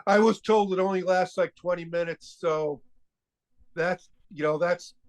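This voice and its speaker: Joking man on a call, high voice. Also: fairly even intonation, a little slow. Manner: joking, laughing banter. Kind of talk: casual video-call chat. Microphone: video call.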